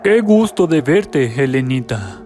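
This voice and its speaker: A man's voice: mid-range voice, lively intonation, normal speed, a little mellow, soft background music, close to an everyday voice. A man voicing a lecherous older man who speaks with false cheer and condescension, in a storybook reading. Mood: sly cheer. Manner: sly, patronizing.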